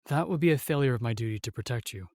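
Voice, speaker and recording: In a fantasy audio roleplay, a man voices a protective, gallant knight whose speech is formal and courteous, earnest and reserved, but expressive and fast. His middle-pitched voice has a darkish tone close to an everyday voice, and his mood is gentle and courteous. It is recorded dry and close, without echo.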